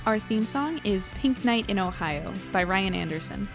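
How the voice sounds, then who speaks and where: A woman's voice: medium pitch, animated, moderate pace, creaky, over music. A woman who produces the podcast, reading a scripted outro with the credits.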